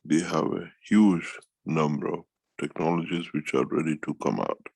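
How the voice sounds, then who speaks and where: A man giving an unscripted answer in a meeting, halting yet emphatic, often repeating phrases for weight. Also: extremely low pitch, steady tone, gravelly, a little mellow, dry recording. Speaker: foundation speaker answering questions. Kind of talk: unscripted talk, answering a question in an online meeting.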